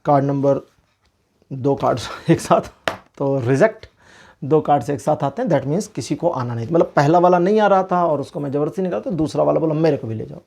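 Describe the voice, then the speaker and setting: A man reading tarot cards and giving relationship advice in a casual, explanatory way, pausing to search for words. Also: on the high side, vocal fry, darkish tone. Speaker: tarot card reader.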